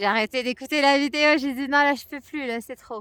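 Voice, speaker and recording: Every word comes through a very clean recording against a silent background. The intonation remains fairly even. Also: woman. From France and Quebec. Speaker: spiritual vlogger. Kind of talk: casual monologue vlog. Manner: hesitant, many fillers.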